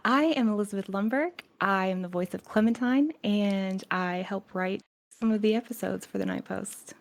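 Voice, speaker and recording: Woman with medium pitch, chatting casually. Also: normal speed, creaky. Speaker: podcast cast member and writer. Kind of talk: casual panel chat.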